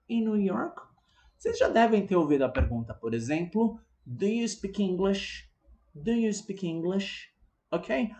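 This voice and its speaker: Teacher, Brazilian Portuguese accent, very animated pitch, slow repeated examples, online lesson. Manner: drills examples slowly, checks in with "ok?". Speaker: English teacher.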